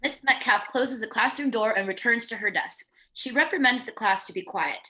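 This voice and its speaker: A woman's voice: on the high side, normal speed, bright, forceful tone. A woman narrating screenplay stage directions in a plain descriptive reading, with the occasional stumble, at a virtual table read.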